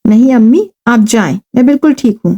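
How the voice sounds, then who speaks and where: Teasing young noblewoman, read by a woman, lightly raised and mellow. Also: fairly high pitch, animated, dull audio. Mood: confiding. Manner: teasing, confiding.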